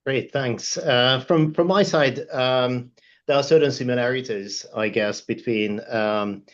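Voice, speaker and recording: A middle-aged man with a Hungarian accent speaks formally and hesitantly, in a measured way, as a panelist. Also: medium pitch. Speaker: panelist, law firm partner. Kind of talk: panel discussion, career account. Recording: dull, muffled lo-fi sound.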